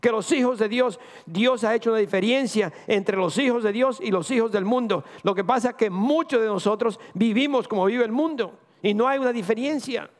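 Male pastor, high voice, preaching with lots of rhetorical questions, church hall reverb. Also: a little fast. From Caribbean. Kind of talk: sermon.

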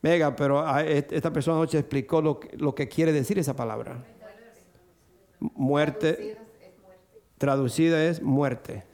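An older man preaching a sermon to a church congregation, acting out the voices he quotes and rising to high, excited bursts. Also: measured pace, pauses often.

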